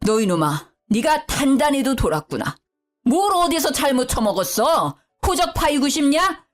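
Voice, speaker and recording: A woman voicing a stern elderly father-in-law in a storybook narration, booming when he scolds and soft when he pleads.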